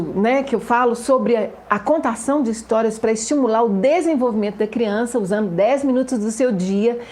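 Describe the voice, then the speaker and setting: Higher-voiced woman explaining. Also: a little mellow. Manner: explanatory, poses rhetorical questions to the viewer; slows down to stress listed words. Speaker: children's author and educator. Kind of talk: educational talk to camera.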